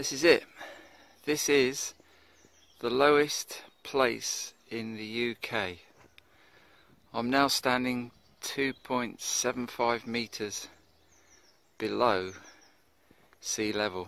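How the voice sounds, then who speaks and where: Very slowly and with long, frequent pauses, a man talks with ordinary pitch variation in a dry sound that has no echo. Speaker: walker vlogger. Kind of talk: casual vlog chat. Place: forest. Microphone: phone near.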